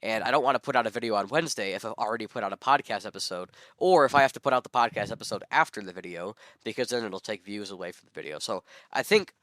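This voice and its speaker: A young man with a sick, hoarse voice hosting his solo podcast, rambling with many ums and self-corrections. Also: on the low side, quick pace, hardly any pauses, a bit bright, no room sound. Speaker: podcast host.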